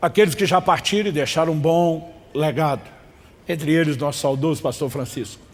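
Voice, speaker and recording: A man's voice: on the high side, a little fast, in a large hall. A man from Brazil preaching a sermon as pastor, emphatic and calling on the congregation to respond.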